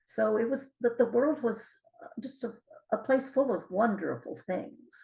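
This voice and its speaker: An older woman, an author being interviewed, recalls her experiences in a measured, reflective, conversational way. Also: fairly high pitch, animated, vocal fry, warm tone, low-quality recording.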